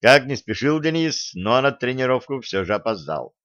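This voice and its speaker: A man giving scripted audiobook narration in an even storytelling manner. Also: mid-range voice, moderate pace, no echo, lo-fi sound.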